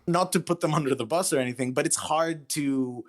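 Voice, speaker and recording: A man in his thirties speaking candidly and casually as an interview guest, with a halting, self-effacing manner. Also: a little high. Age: 30s.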